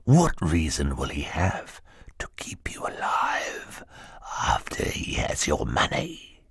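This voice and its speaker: A man voicing a cruel hook-handed henchman with a croaking voice in an audiobook, speaking in a low threatening whisper. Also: big pitch swings, a little slow, a bit bright, no room sound, studio quality, heavily acted. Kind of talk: audiobook character voice.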